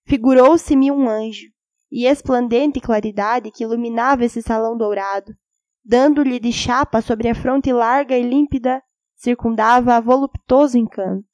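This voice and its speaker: Female narrator for classic fiction audiobook: slightly high pitch, grave dramatic storytelling, very dry recording. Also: steady tone, moderate pace, darkish tone, no echo.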